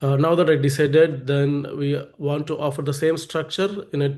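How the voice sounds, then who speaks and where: Somewhat breathy and dark, mellow in tone, a man with an Indian accent speaks at a fairly high pitch with fairly even intonation. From India, Telangana (Suryapet near Hyderabad). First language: Telugu. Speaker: IT academy founder and trainer. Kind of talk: webinar presentation. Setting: online webinar.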